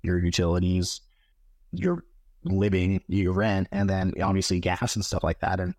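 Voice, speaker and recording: Man in his 30s, very deep voice, casual talk with fillers, dry recording. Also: measured pace, a little mellow, dry recording. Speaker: interviewed renter. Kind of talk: interview testimony.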